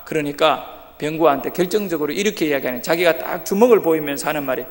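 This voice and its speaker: A male preacher tells a story from his own youth in a vivid, animated way, acting out what the other people in it said. His voice sits high for a man. The sound rings out in a large church hall with a long reverb tail. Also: fast. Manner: lively storyteller who acts out quoted speech. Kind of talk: sermon testimony storytelling.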